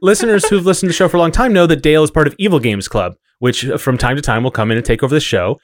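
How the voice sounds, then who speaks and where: A man's voice: a little high, racing, no echo, studio quality. A man co-hosting a podcast in casual chat, with a wry, rambling way of explaining things. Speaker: podcast co-host.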